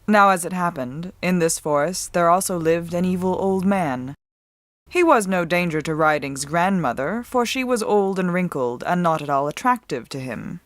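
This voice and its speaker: Woman reading a fairy tale dramatically, kinda low voice, measured and expressive, really dry recording. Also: no room sound. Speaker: author reading own short story. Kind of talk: dramatic storybook narration.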